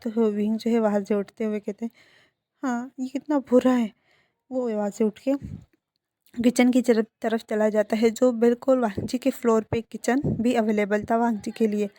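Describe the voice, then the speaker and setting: A woman's voice: fairly high pitch, flat delivery, moderate pace, warm tone, dry recording, studio quality. A woman narrating a fan-fiction story in a casual, conversational way with filler phrases.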